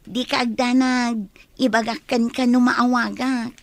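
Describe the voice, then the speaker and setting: A teasing young Ilocano friend. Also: female voice, on the high side, level tone, a little slow, vocal fry, dry recording. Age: young adult. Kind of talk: radio drama acting.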